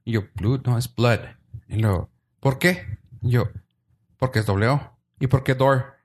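A man with a Mexican Spanish accent chatting casually as a podcast co-host, slangy and animated, jumping into high-pitched imitations. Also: normal speed. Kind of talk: casual chat.

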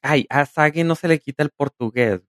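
A man's voice: fairly high pitch, normal speed, fairly bright tone, no echo, clean studio sound. A man with a Mexican Spanish accent, chatting casually as a podcast co-host with a teasing, jokey manner. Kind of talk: casual chat.

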